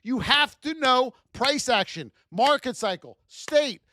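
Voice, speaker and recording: A man coaching a livestream audience with blunt, gruff tough love, in punchy repeated phrases that push and encourage. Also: very high-pitched, expressive, takes it slowly, pushed and bright, no room sound, studio quality. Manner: punchy repeated phrases, addresses listeners as folks. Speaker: trading coach and livestream host. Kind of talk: livestream coaching pep talk.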